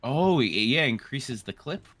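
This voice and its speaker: A man's voice: medium pitch, animated, unhurried, a bit bright. A man co-hosting a gaming session in casual chat, rambling, joking and swearing freely. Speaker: gaming co-host. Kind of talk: casual chat over gameplay.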